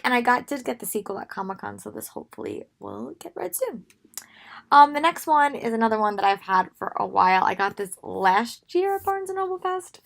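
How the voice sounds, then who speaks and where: A young woman talks casually about her reading plans with a hoarse, worn-out voice. Her tone is gravelly and strained, and her speech wanders with frequent fillers and pauses. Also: on the high side. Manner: rambling with frequent ums. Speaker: book vlogger. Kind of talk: casual book haul talk.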